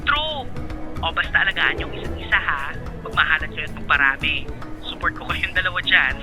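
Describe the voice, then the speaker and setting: A flamboyant gay best friend in a radio drama, teasing and supportive. The voice swings widely and animatedly in pitch, exclaiming over clear background music. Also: male voice, sing-song, a little fast. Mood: excited, teasing. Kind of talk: Filipino radio drama acting.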